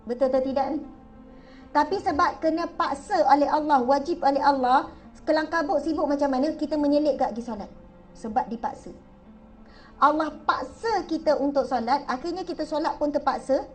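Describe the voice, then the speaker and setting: A woman's voice: high-pitched, far from the mic. A woman with a Malaysian Malay accent giving a chatty religious lecture, often asking her audience questions. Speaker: religious speaker.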